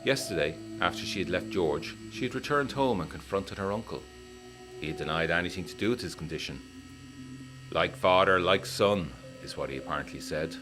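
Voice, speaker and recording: Deep-voiced man reading a letter. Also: expressive, over music. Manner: measured, formal period storytelling. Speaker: letter-writing narrator. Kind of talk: scripted narration of a letter.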